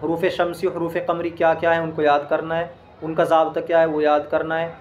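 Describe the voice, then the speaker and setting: Male Arabic teacher with a high voice, patient drill-style delivery, faint noise behind. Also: completely flat delivery, fairly quick, muffled recording. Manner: explains step by step, quizzes the listener with questions. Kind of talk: classroom grammar lesson.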